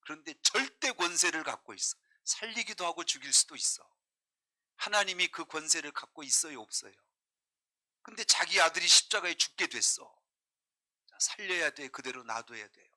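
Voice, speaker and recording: A man preaches a sermon with a very bright, piercing edge to his voice, set a little high for a man. He keeps asking the congregation questions and swings between hushed asides and loud, driving emphasis. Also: lively intonation, normal speed. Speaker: pastor.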